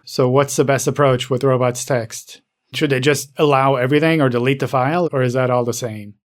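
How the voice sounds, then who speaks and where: A man with a medium-pitched voice co-hosts a podcast. He talks casually and moves the conversation along with questions. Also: fairly even intonation, fairly quick. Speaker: podcast co-host asking questions. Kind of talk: casual chat.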